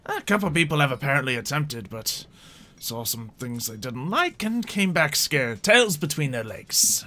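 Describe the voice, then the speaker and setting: A man's voice: a little high, big pitch swings, moderate pace, sharp tone. A man acting as game master, explaining the scene casually and loosely with some hesitation. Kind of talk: casual tabletop game narration.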